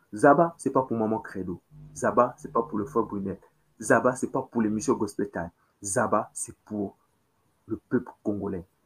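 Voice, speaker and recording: The man talks at a fairly slow pace. His pitch is medium. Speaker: radio host. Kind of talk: radio talk show.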